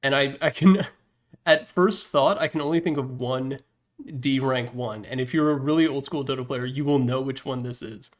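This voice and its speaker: A man's voice: mid-range voice, normal speed. A man giving casual, opinionated video game commentary as a presenter, speaking informally with slangy emphasis. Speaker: presenter ranking game announcer packs.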